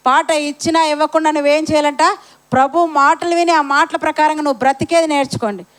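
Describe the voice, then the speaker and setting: A woman preacher delivers a Sunday sermon to her congregation. Her voice sits high, and she drives each point home by asking questions and repeating lines. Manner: rhetorical questions, repeats phrases for emphasis. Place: church service.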